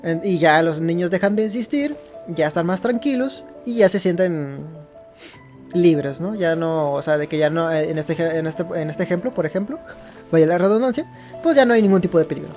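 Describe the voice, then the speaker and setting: A man's voice: on the high side, fast talker, a little mellow. A man hosting a gaming video, commenting casually and rambling as he searches for words and rephrases. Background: game music.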